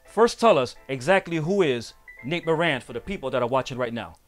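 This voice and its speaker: A man's voice: medium pitch, expressive, fairly quick, faint music behind. A man hosting a casual studio interview, upbeat and affirming. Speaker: interview host.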